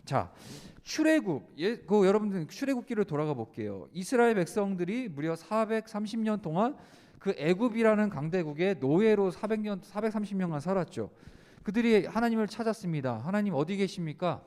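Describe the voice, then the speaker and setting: High-voiced man preaching in a reverberant church. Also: animated, a little fast, a little mellow. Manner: conversational, asks the youth questions and answers them, many "uh" fillers. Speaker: preacher to a high school youth service. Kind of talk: sermon. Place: church sanctuary. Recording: long hall reverb.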